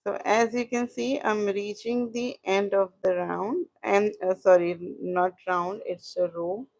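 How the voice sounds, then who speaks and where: A woman with a South Asian accent giving a casual crochet tutorial, explaining in a halting way and repeating herself as she chats to viewers. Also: mid-range voice, steady tone, vocal fry, darkish tone. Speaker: crochet instructor and live streamer.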